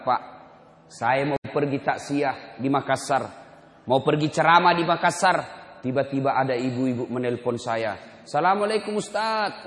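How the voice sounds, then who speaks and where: A male Muslim preacher with a South Sulawesi accent, giving a lively sermon at a dawn gathering, rising to emphatic loud peaks between conversational asides. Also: medium pitch. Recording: echoey hall with long reverb.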